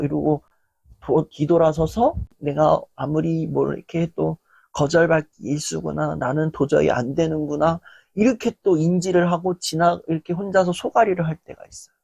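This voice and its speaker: Young man with a husky, gravelly voice. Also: fairly high pitch, dry recording. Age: young adult. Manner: animated, acts out quoted reactions. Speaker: lecturer. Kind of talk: casual lecture.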